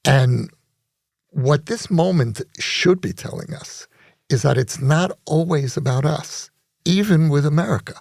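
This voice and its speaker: A man co-hosting a podcast discussion, telling stories in a reflective, measured way. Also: medium pitch, vocal fry, darkish tone, breathy edge, no room sound, clean studio sound. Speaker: podcast co-host.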